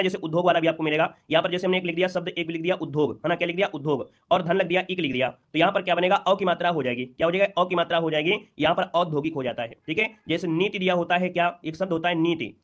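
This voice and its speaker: A fast-talking man teaching an exam-prep lesson with a slightly high voice. He repeats each point and keeps asking students whether they follow, quizzing them with rhetorical questions. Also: a bit bright. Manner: repeats points with checking tags.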